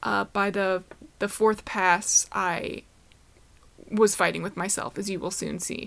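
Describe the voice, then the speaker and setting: A woman mumbles at a fairly slow pace in a medium-pitched voice. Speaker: vlogger. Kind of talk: casual vlog talk to camera. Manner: mumbling.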